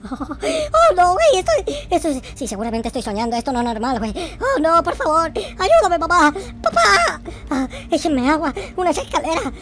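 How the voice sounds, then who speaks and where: A woman with a very high, slightly bright voice and huge pitch swings hosts a gaming video, speaking at normal speed with few pauses. As the creator, she gives theatrical, slangy, profane Minecraft roleplay commentary packed with exclamations.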